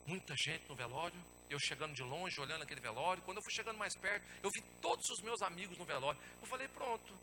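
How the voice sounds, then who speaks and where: A man preaching in a church, his high voice very bright and cutting. He tells his testimony as a dramatic story, dropping to a hush and then climbing to a shout, and keeps calling the listeners brothers. A faint hum sits under the speech. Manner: addresses the congregation as brothers. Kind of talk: sermon with personal testimony.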